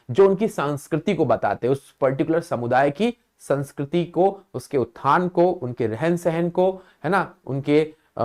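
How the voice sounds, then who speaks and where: A teacher giving an exam-prep lecture, explaining step by step, checking in with listeners and naming items one at a time. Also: medium pitch. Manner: explains step by step, often adds the tag "है ना"; lists place names one by one in a slow, stressed way.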